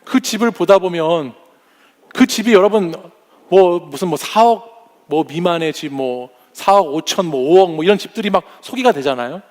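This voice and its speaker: A man's voice: sits high, animated, normal speed. A pastor in his forties preaching a sermon, telling humorous family stories and acting out his kids' voices. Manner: warm storytelling with humorous anecdotes; acts out family members' voices.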